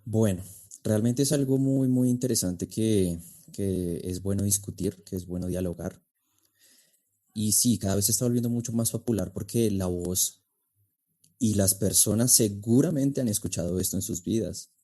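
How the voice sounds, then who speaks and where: A man's voice: on the low side, normal speed, dark tone. A man explaining things conversationally as an expert guest, in a didactic, emphatic way. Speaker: interview guest, speech and oratory coach.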